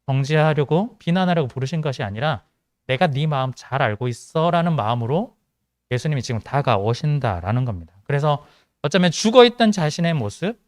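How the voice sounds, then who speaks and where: A male pastor from South Korea's Gyeongsang region, carrying a mild Gyeongsang accent, gives a conversational sermon with joking asides to a young adults' congregation. His voice is a little high, expressive, and brisk. The studio-quality recording has no room sound.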